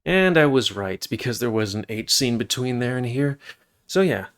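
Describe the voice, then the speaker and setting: A man's voice: medium pitch, lively intonation, normal speed, fairly bright tone. A man giving casual, rambling commentary over a video game, with chatty asides.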